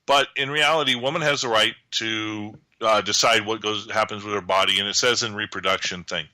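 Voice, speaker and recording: A man with a lowish voice and a very bright, sharp tone presses his case in a heated political discussion. He keeps repeating phrases to hold the floor, and the sound is dry and close. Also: steady tone, fairly quick, dry recording, low-quality recording. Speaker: guest commentator.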